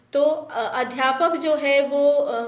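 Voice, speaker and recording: A woman talks with a high pitch and ordinary pitch variation. Room echo is audible. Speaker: college Hindi lecturer. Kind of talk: online class lecture with Q&A. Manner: hesitant fillers, conversational.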